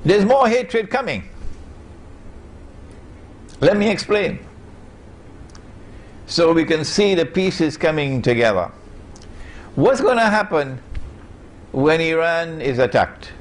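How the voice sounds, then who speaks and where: Slow, animated man lecturing. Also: a little high. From Trinidad and Tobago. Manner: emphatic, rhetorical questions to the audience. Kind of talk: public lecture.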